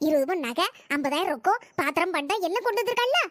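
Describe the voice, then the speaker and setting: Brief: woman doing a sly, high-voiced village gossip neighbor for a cartoon, dry close mic. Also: animated, very fast, fairly bright tone, no room sound. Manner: breathless storytelling gossip. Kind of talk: cartoon comedy voice acting.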